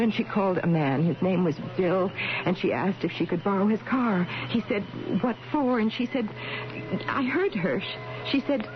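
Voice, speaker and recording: A woman's voice: mid-range voice, natural voice. An actress playing a remorseful, tender woman adrift near death, imploring and repeating herself in a 1970s radio drama. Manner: imploring, repetitive, emotional. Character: dying mother adrift, pleading, remorseful, tender. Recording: dull radio recording, loud music.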